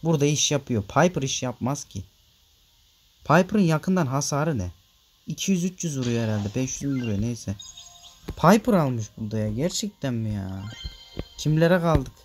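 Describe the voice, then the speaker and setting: A man's voice: medium pitch, expressive, normal speed, soft background music. A man giving casual gameplay commentary, chatting straight to his viewers and grumbling about his random teammates. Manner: grumbling, easily annoyed at teammates; chatty, addresses viewers directly. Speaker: gameplay video maker.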